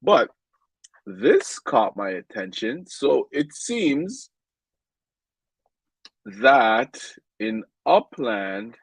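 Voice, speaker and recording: A man's voice: mid-range voice, very animated, extremely slow, long pauses, breathy edge, no echo. A man with a stuffed-up, nasal voice giving casual game commentary in a rambling way, with many ums and restarts. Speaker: game vlogger.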